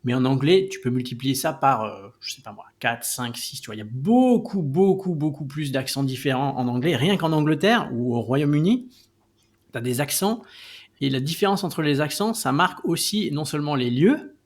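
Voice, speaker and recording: A man's voice: medium pitch, expressive, moderate pace. A man explaining things as a guest in a casual interview, with lots of fillers and restarts. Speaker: guest, co-founder of a language site.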